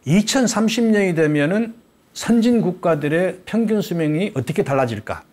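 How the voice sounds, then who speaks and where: An older man with a high voice speaks at a moderate pace as a guest expert on a talk show, giving an explanatory lecture. His delivery is lively, emphatic, and teacherly, and he poses rhetorical questions and then answers them.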